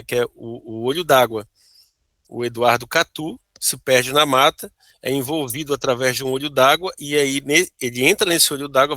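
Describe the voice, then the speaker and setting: Man, Brazilian accent, game designer, bright tense voice, dry sound, video call. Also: medium pitch, no echo. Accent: Brazilian Portuguese. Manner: explains with frequent "né?" and "tá bom?". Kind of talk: casual interview chat.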